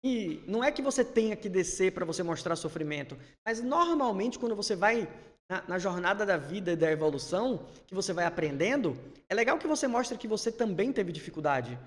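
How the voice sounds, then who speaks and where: A man from Salvador, teaching public speaking in an energetic, emphatic way. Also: high voice, a little fast. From Salvador, Brazil. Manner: energetic, emphatic, rising bursts when he gets worked up. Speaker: speaking coach. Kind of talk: instructive conversation. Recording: long hall reverb.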